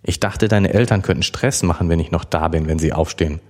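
A man's voice: low-pitched, fairly quick, pitched below the performer's own voice. A man voicing a playful, affectionate young woman in a read-aloud novel. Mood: teasing. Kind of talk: audiobook reading.

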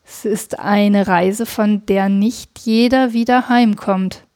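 A woman's voice: mid-range voice, fairly even intonation, slow, a little mellow, no echo, clean studio sound. A woman voicing an urgent, commanding male scholar in a read-aloud story. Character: hurried middle-aged male scholar.

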